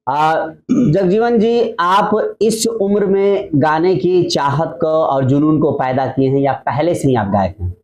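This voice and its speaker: A man's voice: fairly high pitch, slow pace, a little mellow. A man hosting a podcast, introducing his guest and asking friendly questions with some hesitant fillers. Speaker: podcast host. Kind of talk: casual podcast interview.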